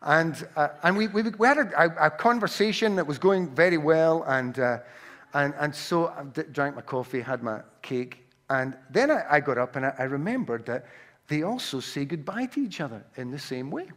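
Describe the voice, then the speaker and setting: A man's voice: on the high side, lively intonation, normal speed, a bit bright. A man with a Glaswegian accent preaching a sermon, telling personal stories with frequent restarts and repeated words. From Scotland. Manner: anecdotal storytelling with frequent restarts.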